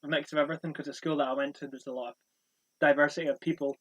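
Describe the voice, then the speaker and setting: A young man with a soft Scottish accent, chatting casually and laughing easily as a podcast host. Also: on the high side, level tone, rapid-fire. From Scotland. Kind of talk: casual chat.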